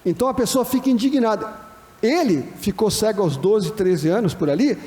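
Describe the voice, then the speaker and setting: A high-pitched man with a Brazilian Portuguese accent gives a class as a pastor. He talks in a relaxed, conversational way and keeps checking that the audience is following. His voice carries a long reverb from a lecture hall. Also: moderate pace. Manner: acts out quoted dialogue in other voices. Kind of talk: classroom lecture on church and disability.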